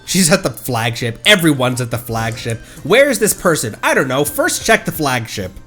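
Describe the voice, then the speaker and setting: A male streamer chats casually through a playthrough with a hugely varied, swooping pitch. He riffs playfully on the game while music plays underneath. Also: very animated, normal speed, sharp tone.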